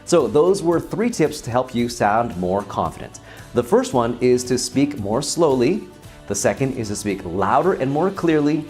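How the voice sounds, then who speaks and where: A man coaching people on presentation skills in an instructional video. He speaks clearly and acts out each tip as he explains it. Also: mid-range voice, big pitch swings, normal speed, darkish tone, faint music behind. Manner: clear teaching delivery that shows each tip by example.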